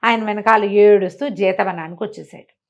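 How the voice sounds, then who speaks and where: A woman telling moral tales aloud in an animated, conversational way, explaining as she goes and acting out dialogue. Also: medium pitch, moderate pace. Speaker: storyteller.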